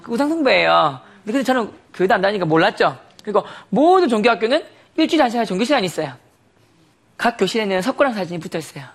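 A man's voice: sits high, very animated, very fast, gravelly. A man giving a sermon testimony, telling a story animatedly with frequent laughter and rhetorical questions.

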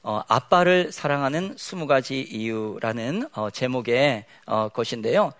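A man, a schoolteacher, giving an earnest church testimony. He speaks slowly and with emphasis, and acts out the dialogue. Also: medium pitch, expressive, a bit bright.

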